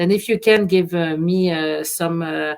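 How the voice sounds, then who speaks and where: The voice carries a Quebec accent. It moves at a moderate pace. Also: woman. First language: French. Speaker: lawyer. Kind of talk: interview. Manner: halting.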